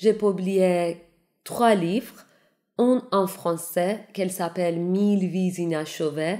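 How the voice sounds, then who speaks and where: A dark, mellow voice with a Persian accent speaks at a very slow pace. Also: woman. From Iran. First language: Persian (speaking French). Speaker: poet and novelist. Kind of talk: interview statement. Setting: public reading event. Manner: halting.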